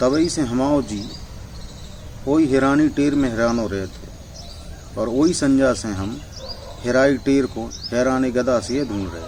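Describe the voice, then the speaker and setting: A man talks at a medium pitch, leaving long, frequent pauses. Audible room echo and noticeable background noise surround him. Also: ordinary pitch variation. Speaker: writer and professor. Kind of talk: storytelling in dialect.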